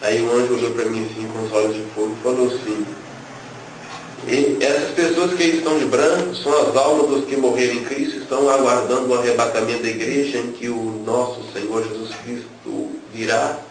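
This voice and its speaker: In an echoey, noisy room, picked up from a distance, a man shares an emotional religious testimony, narrating his story and performing the dialogue. He has a medium-pitched voice with fairly even intonation and a fairly quick pace.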